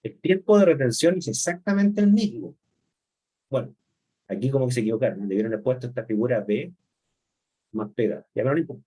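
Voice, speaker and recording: A man's voice: mid-range voice, lively intonation, fast, pauses often, warm tone, slightly rough. A male chemistry lecturer, explaining step by step in an online class and often checking in with his students. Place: remote class.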